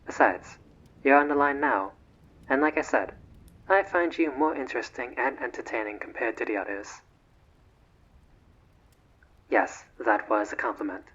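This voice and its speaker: Man as a husky, genteel vampire. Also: medium pitch, a bit bright, muffled recording, natural voice. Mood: courteous, bored. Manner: formal, measured, slightly haughty diction with sighs. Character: bored, courteous immortal male vampire, genteel and old-fashioned. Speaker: voice actor in a roleplay audio. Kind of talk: scripted roleplay audio drama, one side of a phone call.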